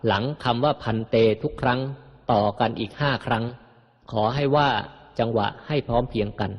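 A man calmly teaching how to chant and pronounce the ritual words, speaking in a slow, measured way and saying each example sound twice. His mid-pitched voice carries a long echo, as if recorded in a large hall. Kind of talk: instructional explanation with chanted examples.

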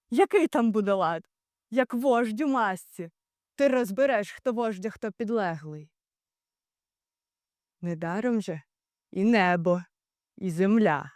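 A young woman playing a wise, stern male Greek commander in a theatrical Shakespeare monologue, declaiming in deliberate, rhetorical phrases. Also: medium pitch, darkish tone, no echo, studio quality, close to an everyday voice. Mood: grave, persuasive. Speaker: drama student.

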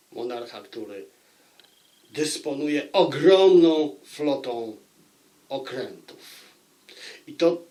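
A man giving an unscripted book review, speaking deliberately and repeating phrases for emphasis. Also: medium pitch, darkish tone.

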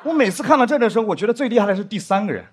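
Animated man doing stand-up. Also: very fast, slight background noise. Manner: animated, mimics drama scenes with pitch swings. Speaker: stand-up comedian. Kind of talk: stand-up comedy set. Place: studio stage with live audience.

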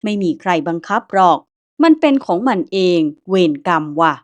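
A woman voicing the weary ghost of an old Chinese man who speaks Thai with a Chinese accent, in a high, strained voice. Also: lively intonation, moderate pace, natural voice.

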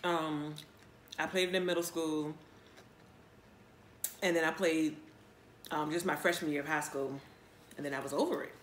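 Chewing between phrases and often talking with a full mouth, a mukbang vlogger chats casually and spontaneously. Her mid-range, slightly bright voice keeps a fairly even intonation at normal speed, broken by frequent pauses. There's a roomy echo and a faint hum of background noise.

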